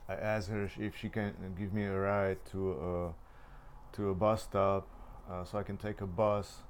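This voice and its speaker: A young man whose first language is Czech, telling a long personal travel story in casual, halting speech full of fillers and restarts. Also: sits low, darkish tone, a little hiss or hum. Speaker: vlogger.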